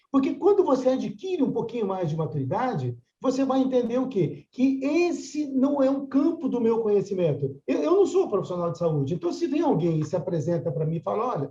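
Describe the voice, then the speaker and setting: Animated older man teaching a class. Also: very high-pitched, roomy sound, lo-fi sound. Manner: conversational, frequent tag questions. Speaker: course mediator. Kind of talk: religious study class.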